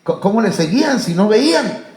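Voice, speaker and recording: Echoey preaching Mexican pastor. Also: male voice, very animated, a little fast, a little mellow. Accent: Mexican Spanish. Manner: preaching with frequent fillers, rising to high emphatic calls. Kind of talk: sermon. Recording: echoey church room.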